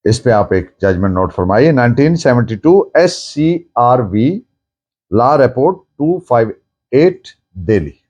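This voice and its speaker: A man with a Pakistani accent giving a formal law lecture, deliberate and emphatic, restating points as he reads out and explains. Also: mid-range voice, very animated, a little mellow, husky, lo-fi sound. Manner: deliberate, emphatic, repeating points in Urdu and English. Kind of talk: formal lecture, reading out and explaining legal text.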